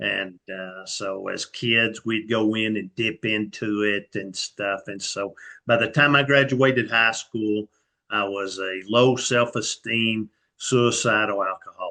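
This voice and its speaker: A man with a Kentucky accent, fairly low-pitched, bright and sharp in tone, fairly slow and fairly even, over a quiet background. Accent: Kentucky Southern. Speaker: recovering alcoholic, author and comedian. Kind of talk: interview testimony. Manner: halting, many fillers.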